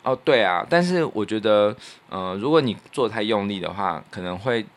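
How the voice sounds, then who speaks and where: A man with a fairly low voice and a Taiwanese Mandarin accent talks in a casual, reflective podcast style. He explains his thoughts humbly, playing himself down as he goes. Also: animated, moderate pace. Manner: modest, self-effacing. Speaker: podcast co-host, radio producer. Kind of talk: casual chat, reflective storytelling.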